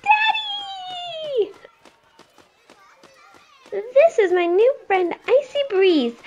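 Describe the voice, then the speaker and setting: A woman voicing an excitable, sweet little girl pony in an amateur cartoon, with a childlike, gushing manner. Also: very high voice, extremely slow, lo-fi sound, heavily acted. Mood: excited.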